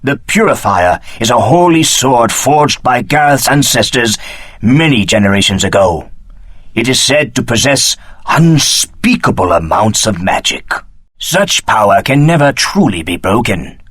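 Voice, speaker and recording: A grave, fretful holy man from a fantasy video game. His formal storytelling rises and falls expressively, in a mid-pitched voice recorded close and dry. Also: sing-song, a little slow, a bit bright, slightly rough, dry recording, full character voice. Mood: grave, mournful.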